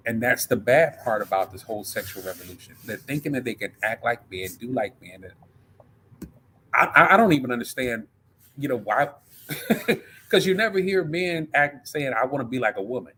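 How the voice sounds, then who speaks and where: A man's voice: medium pitch, lively intonation, bright, forceful tone, a little hiss or hum, rough recording. A man co-hosting a podcast who talks earnestly in a casual way, often restarting his sentences. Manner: earnest, halting, repeats words. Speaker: podcast co-host.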